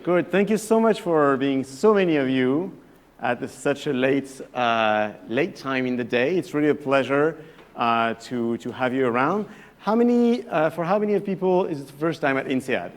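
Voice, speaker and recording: A medium-pitched, expressive male voice at normal speed. The speaker is a French professor in his thirties, with a French accent, giving an evening guest lecture to a live audience in a chatty, hesitant way, often restarting phrases.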